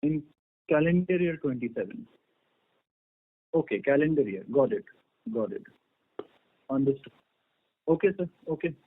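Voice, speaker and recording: Higher-voiced Indian man on a phone line. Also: animated, moderate pace, long pauses. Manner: polite, hesitant, double-checks understanding. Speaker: caller, analyst asking questions. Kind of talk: earnings call questioning. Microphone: phone call. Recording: dry, thin phone-line sound.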